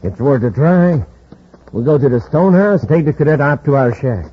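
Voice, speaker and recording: A gruff, scheming villain barks orders and plots his next move, played by a man. His voice sits in a middle register and carries the punchy delivery of 1950s radio drama. The old broadcast sounds dull, with a faint hiss underneath. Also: medium pitch, lively intonation, moderate pace, lightly acted. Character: scheming male villain, gang boss. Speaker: radio actor.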